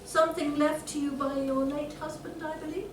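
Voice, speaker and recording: A woman's voice: high-pitched, flat delivery, normal speed, lightly acted. A woman playing an over-courteous, smarmy game show host in a comedy sketch. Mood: gushing. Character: polite, smarmy game show host of an antiques panto spoof. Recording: echoey room, distant mic, clear noise.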